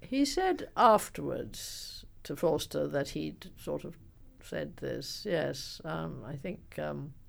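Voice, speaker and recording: An older woman, an author answering questions in a relaxed interview, telling stories with emphatic energy and frequent ums. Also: deep voice, slow pace, creaky, few pauses. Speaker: biographer and author being interviewed. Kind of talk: conversational interview.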